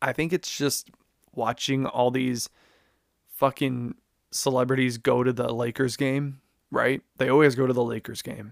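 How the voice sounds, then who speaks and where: A man with a Chicago accent and a medium pitch talks at a fairly slow pace in monotone, flat intonation with long, frequent pauses, the sound dry and close with no echo. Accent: Chicago American. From Chicago, US Midwest. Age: 20s. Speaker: podcast host. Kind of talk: casual solo monologue.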